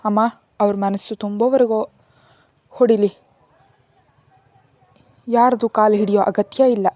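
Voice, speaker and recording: A woman reading a storybook aloud and voicing a defiant, stubborn young woman who answers back sharply and loudly. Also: mid-range voice, steady tone, unhurried, no echo, natural voice. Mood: cold, resolute. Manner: sharp, indignant and loud.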